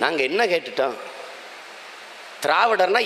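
There is audible room echo and light background noise as a man speaks. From Tamil Nadu, India. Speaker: politician. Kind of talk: political speech. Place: stage. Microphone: podium.

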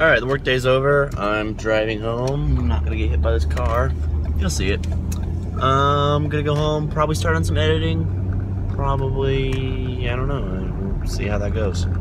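Noticeable noise runs in the background. A man talks at a moderate speed. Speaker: vlogger. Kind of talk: casual vlog chat. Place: car. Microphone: phone near.

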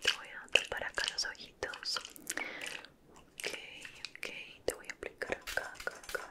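Long, frequent pauses break up a woman's soft-spoken whisper, delivered at a fairly slow pace. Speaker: ASMR creator. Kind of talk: soft ASMR role-play talk. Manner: soft ASMR whisper close to mic. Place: home room. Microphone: studio mic.

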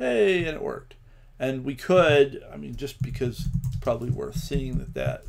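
A man takes a fairly slow pace while background music plays. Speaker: programmer live-streaming coding exercises. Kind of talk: casual live-stream coding walkthrough.

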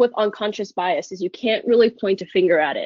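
An unremarkable speaking voice: a woman with an American accent, fairly high pitch and ordinary pitch variation, at a fairly quick pace. The sound is dry with no echo over a quiet background. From Pennsylvania, US Northeast. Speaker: entrepreneur, health tech founder; webinar panelist. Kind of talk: webinar panel discussion. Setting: online webinar. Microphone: video call.

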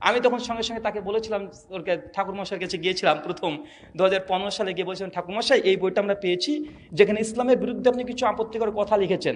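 A high-pitched male voice over noticeable background noise. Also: ordinary pitch variation. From India, Murshidabad, West Bengal. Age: 30s. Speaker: Islamic preacher and debater. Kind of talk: religious talk to audience.

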